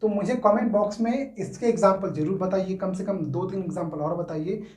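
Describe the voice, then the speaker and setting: A man's voice: high voice, brisk, a little mellow. A man teaching English grammar in a casual, repetitive way, often stopping to check that listeners follow. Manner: repetitive, checks in with "theek hai". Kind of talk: casual Hindi-English classroom explanation. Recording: roomy echo.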